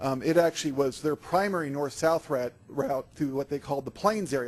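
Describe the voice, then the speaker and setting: The man talks at a very fast pace with ordinary pitch variation. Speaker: city staff presenting a project. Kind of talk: presentation at a public board meeting.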